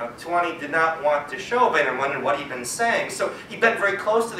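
In a raised, projected voice, a man speaks with a playful, dramatic tone and very wide pitch swings, against audible room echo and light background noise. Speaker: storyteller and folklore educator; storyteller, folklore educator. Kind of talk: oral folktale performance with dialogue, embedded in a lecture. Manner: vivid, building narrative rhythm with long cumulative lists; playful dramatic voicing of characters, laughing at punchlines. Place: classroom. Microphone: camera far.

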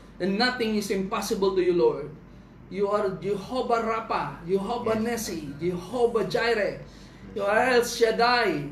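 A man's high voice with a Filipino accent, intense in tone, at a fairly slow pace with ordinary pitch variation, over noticeable background noise. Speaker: pastor leading online prayer meeting. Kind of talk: fervent intercessory prayer, spoken aloud with repeated 'Lord' and 'hallelujah'; preaching or teaching in a Taglish mix. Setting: online livestream.

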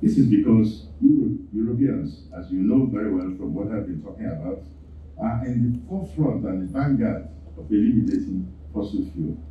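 This man speaks with a Nigerian accent. His loudness swings widely. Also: moderate pace. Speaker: guest lecturer on energy policy. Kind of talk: lecture. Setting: stage with audience. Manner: formal.

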